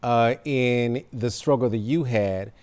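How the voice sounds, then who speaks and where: Give me a baritone male podcast host, smooth and mid-pitched, chatting emphatically over a video call. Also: slow. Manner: animated, emphatic, gestures while talking. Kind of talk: casual conversation. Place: home room on a video call. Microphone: studio mic in frame, earbud.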